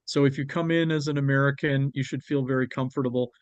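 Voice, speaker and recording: A man with a Canadian accent presenting on export markets, talking it through with a guest and pausing often on ums and restarts. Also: mid-range voice, steady tone, dry recording, highs cut off. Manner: hesitant, with many ums and restarts.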